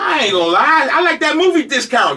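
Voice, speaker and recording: A man's raised, projected voice with an American accent, very fast and swinging very widely in pitch, over noticeable background noise. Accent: New York Jamaican. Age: 60s. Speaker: radio host. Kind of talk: radio talk show intro. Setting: radio studio. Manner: animated.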